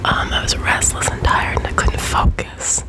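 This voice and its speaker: A middle-aged American woman whispering a chatty, rambling ASMR monologue very close to the microphone in a room at home. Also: moderate pace. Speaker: ASMR video creator. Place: small room at home, indoors. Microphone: USB condenser microphone held close to the mouth.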